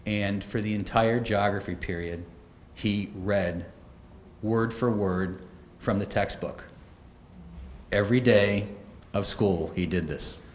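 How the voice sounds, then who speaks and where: A man's voice: fairly low pitch, slow pace, pauses often. Middle-aged guy giving a keynote, chatty stories, podium mic, echoey hall w/ faint hiss. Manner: conversational storytelling with asides. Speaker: keynote speaker. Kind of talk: conference keynote talk. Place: conference auditorium at a podium. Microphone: podium microphones. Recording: echoey auditorium, faint noise.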